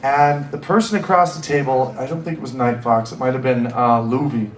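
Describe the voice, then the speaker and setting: A man's voice: mid-range voice, fairly quick, a little hiss or hum. A man hosting a convention panel, telling comedic stories and acting out quoted voices. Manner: animated, mimics voices in quoted dialogue. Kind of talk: comedic storytelling to a live audience. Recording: echoey room with faint ambience.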